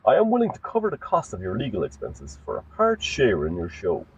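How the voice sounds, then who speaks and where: A man voicing a smug, low-voiced benefactor offering to fund a show. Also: wildly swooping pitch, fairly quick, muffled recording, slight background noise. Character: smug slow-talking man posing as a rich benefactor.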